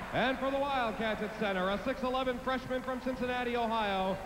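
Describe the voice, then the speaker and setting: Noticeable background noise accompanies a man speaking at an extremely high pitch. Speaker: public address announcer. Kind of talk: public address announcement of starting lineups, formal and even. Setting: arena PA system. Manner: formal, measured, clear. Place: stadium.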